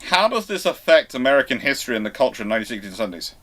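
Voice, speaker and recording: Male history show host, mid-pitched, discursive, halting, thinks aloud and restarts sentences. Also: very animated, fairly bright tone.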